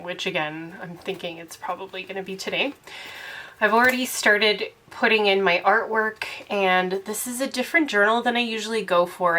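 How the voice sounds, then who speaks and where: A woman's voice: mid-range voice, a bit bright, slight background noise. A young woman with a congested voice from a cold, chatting casually as host of her own channel. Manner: chatty, rambling, laughs often. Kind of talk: casual chat to camera.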